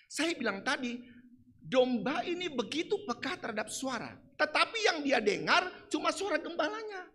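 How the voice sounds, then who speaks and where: A man preaching a sermon in a church, swinging from soft asides to shouted lines. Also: extremely high pitch, big pitch swings, normal speed.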